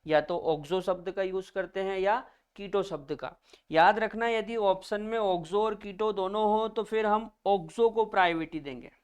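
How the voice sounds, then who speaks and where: A man's voice: high voice, normal speed, clean tone. A male chemistry teacher giving a classroom lecture, naming each term, then asking students to repeat it back, calling them children.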